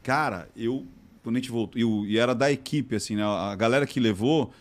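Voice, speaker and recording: Animated man telling a story. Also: mid-range voice, fairly quick. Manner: animated storyteller who acts out other people's lines. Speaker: podcast participant. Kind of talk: casual podcast chat.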